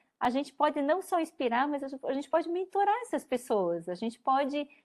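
A woman speaks at a high pitch. Her voice swings very widely in pitch. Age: 60s. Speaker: psychologist. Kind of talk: interview.

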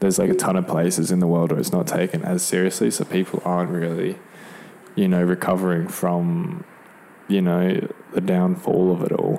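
A man with an Australian accent talks at a moderate pace with very even loudness, over noticeable background noise. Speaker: photographer and videographer. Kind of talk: casual chat.

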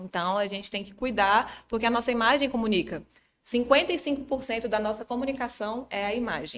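A woman's unremarkable speaking voice, fairly high in pitch with ordinary pitch variation, at a moderate pace with big swings in loudness. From Brasília, Brazil. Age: 30s. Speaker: image consultant. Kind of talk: casual chat.

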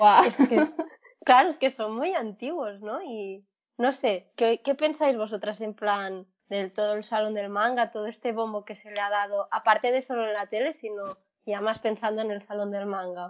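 A woman's ordinary speaking voice, fairly high in pitch, at a moderate pace, with ordinary pitch variation and big swings in loudness. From Catalonia, Spain. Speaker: illustrator. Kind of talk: casual chat.

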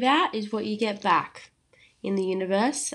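Woman at medium pitch, fairly slow pace and ordinary pitch variation. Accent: Australian. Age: 20s. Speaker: podcast host. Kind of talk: casual chat; reading aloud. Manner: animated.

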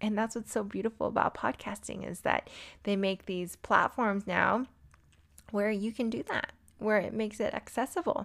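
In a very clean recording with a silent background, a woman with an American accent talks at a moderate pace in a fairly high, animated voice. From US West Coast, San Diego. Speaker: podcast host. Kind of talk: casual monologue.

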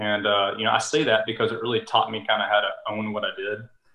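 A man's fairly low voice with an Alabama accent at a fairly quick pace. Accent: Southern US (Alabama). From US South, northwest Alabama. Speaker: college golf coach. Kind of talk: casual interview. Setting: phone call.

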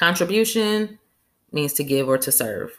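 On a very clean recording with a silent background, someone with an American accent talks at a moderate pace. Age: 40s. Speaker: podcast host. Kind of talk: solo monologue podcast. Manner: casual, conversational.

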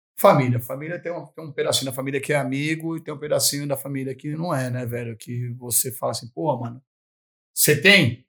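A man speaks at a fairly quick pace with a fairly high pitch and ordinary pitch variation. His tone is bright and sharp, with big swings in loudness. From São Paulo, south zone. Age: 40s. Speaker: samba percussionist. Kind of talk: casual chat.

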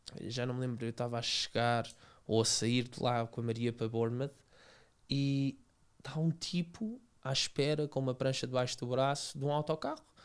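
A man speaks at a moderate pace and medium pitch with ordinary pitch variation. He leaves long, frequent pauses. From Portugal, Lisbon. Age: 20s. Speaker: surf school owner. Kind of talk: interview conversation.

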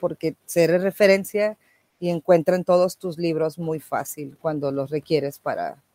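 A woman with an ordinary speaking voice, fairly low pitch, ordinary pitch variation and a fairly slow pace, in dry, close sound with no echo. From Tijuana, Mexico. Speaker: poet and cultural manager. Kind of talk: interview.

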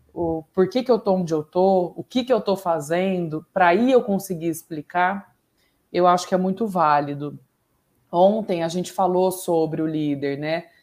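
A woman with a plain, everyday voice speaks at a moderate pace, with a fairly low pitch and ordinary pitch variation. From Brazil. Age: 40s. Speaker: podcast co-host, business partner. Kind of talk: casual chat.

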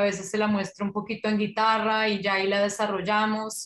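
Over a quiet background, a woman with a fairly high pitch speaks in a monotone, flat intonation. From Colombia, Bogotá outskirts. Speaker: musician and poet. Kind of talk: interview.

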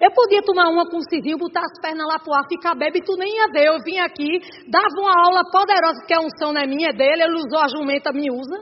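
A woman's extremely high voice with lively intonation. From Northeast Brazil. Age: 50s. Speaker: preacher. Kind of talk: sermon. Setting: church.

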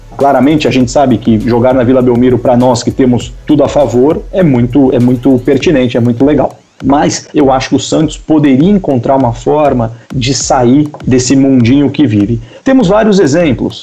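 At a moderate pace and very even loudness, a man with a medium pitch speaks over noticeable background noise. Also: ordinary pitch variation. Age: 40s. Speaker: marketing executive. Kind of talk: interview.

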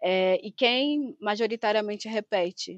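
A woman's plain, everyday voice at medium pitch, with ordinary pitch variation and a dry, close sound with no echo, over a quiet background. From Angola. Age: 20s. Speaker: women's health researcher. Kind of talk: interview.

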